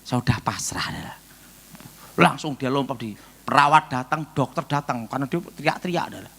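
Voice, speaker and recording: A male evangelist tells his story from the pulpit, voicing each person in it and calling out prayers. His voice is bright and lively, leaping up and down in pitch. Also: a little fast, gravelly. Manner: animated storytelling, acts out dialogue, shouts prayers. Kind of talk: sermon testimony.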